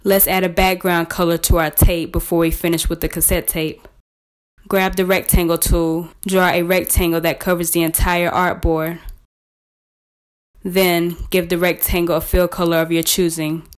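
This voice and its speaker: A woman presenting a scripted step-by-step software tutorial in a measured, instructional way. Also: on the low side, flat delivery, smooth.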